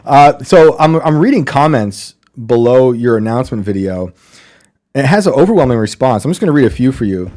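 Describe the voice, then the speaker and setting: A man's voice: mid-range voice, animated, brisk, a little mellow. A man hosting a podcast interview, wry and joking, laughing often. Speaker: podcast host. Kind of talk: casual interview chat.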